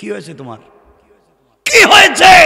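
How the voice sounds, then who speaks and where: A man speaks in an animated tone, with audible room echo around him. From Bangladesh, Sylhet. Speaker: Islamic preacher. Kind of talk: sermon.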